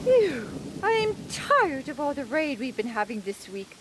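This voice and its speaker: A woman voicing a fussy, excitable storybook monarch in a puppet show, bossy and full of exclamations. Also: sits high, unhurried, very noisy. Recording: puppet show with music behind.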